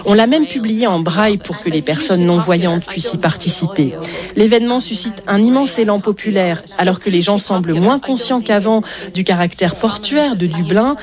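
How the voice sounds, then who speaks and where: A woman reading a clear, informative voice-over translation for a festival director. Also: mid-range voice, normal speed, a crowd in the background.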